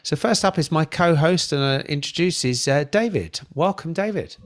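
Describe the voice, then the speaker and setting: A man's voice: fairly high pitch, expressive, normal speed. Man casually hosting a live panel. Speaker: host.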